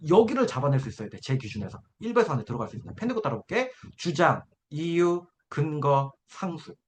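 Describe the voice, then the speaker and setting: A high-voiced man lectures an exam-prep essay class, his pitch bouncing up and down as he explains. He keeps pausing to ask whether the students follow, over a faint hiss of background noise. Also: big pitch swings. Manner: coaxing, keeps checking in with students. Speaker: essay-writing instructor.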